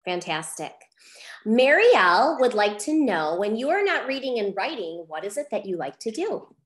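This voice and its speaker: A woman's voice: a little high, sing-song, normal speed. A woman publisher hosting a question-and-answer session for children, explaining things plainly to students and teachers. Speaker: host, book publisher. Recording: roomy echo on a video call.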